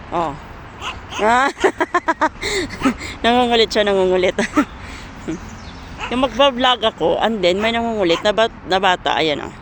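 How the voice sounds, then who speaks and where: Woman, casual vlogger, playful teasing, laughs a lot, slow pace, noisy outdoor phone recording. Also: mid-range voice. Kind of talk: casual vlog talking to a pet. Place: outdoors among trees in winter. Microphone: phone camera.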